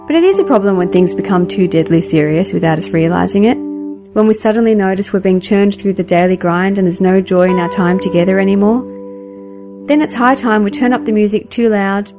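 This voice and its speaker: A woman presents a scripted radio parenting segment in a wry, storytelling tone. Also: mid-range voice.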